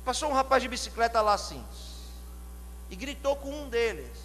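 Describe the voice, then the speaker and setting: A man from São Paulo with a São Paulo Portuguese accent, preaching a sermon, questioning the congregation and building to loud shouted climaxes. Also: very high-pitched, big pitch swings, normal speed. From São Paulo, Brazil. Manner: asks the congregation direct questions. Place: church hall. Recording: long hall reverb, faint hum.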